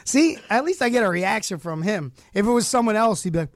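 A male radio host, hoarse from losing his voice, hyping up his show with joking, showy banter in a studio. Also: high voice, expressive, no room sound. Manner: showy, joking, rapid riffing introductions. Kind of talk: playful, hyped radio banter. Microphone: studio microphone.

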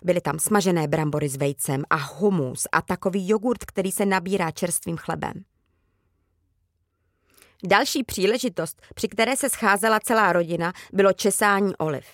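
A woman reading a children's book aloud with calm, even storytelling. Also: fairly low pitch, no echo, clean studio sound. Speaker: reader.

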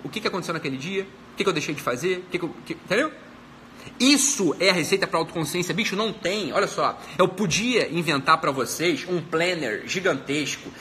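A man's voice: high voice, bright, forceful tone, slight background noise. A Brazilian man, a psychiatrist, giving a motivational self-help talk in a blunt, profane way and repeating his points for emphasis. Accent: Brazilian Portuguese.

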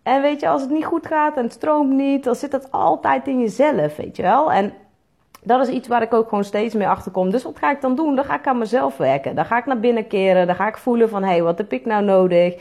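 A woman's voice: a little high, fairly quick, darkish tone. A woman, an entrepreneur talking frankly on her own show, swearing freely and filling her speech with tag questions. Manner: frank and blunt, swears freely, fills with "weet je wel". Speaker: entrepreneur and podcast host. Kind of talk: candid solo monologue.

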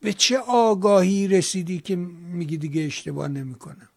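A man's voice: high-pitched, fairly even intonation, a little mellow, dry recording, studio quality. A man hosting a call-in show, scolding and lecturing a caller in a heated debate. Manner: lectures and scolds, dramatic chanting asides.

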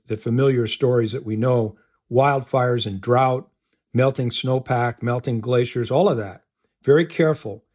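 An older man, a law professor, answering interview questions in a deliberate way, listing points one by one. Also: mid-range voice, a little mellow.

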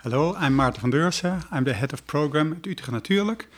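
A man's voice: a little high, lively intonation. Dutch man in his fifties. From Netherlands. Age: 50s. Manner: halting, searching for words. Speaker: guest, nature organization program head. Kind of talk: conversational explanation.

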